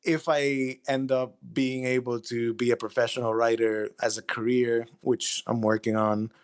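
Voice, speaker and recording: A man being interviewed as a writer, explaining himself casually in a thoughtful, somewhat halting way. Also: medium pitch, little pitch movement, smooth.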